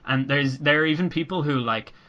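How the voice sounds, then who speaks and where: A young man chatting casually on a podcast, rambling with many halting restarts and a dark sense of humor. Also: fairly high pitch, highs cut off. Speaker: podcast host. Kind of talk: casual chat.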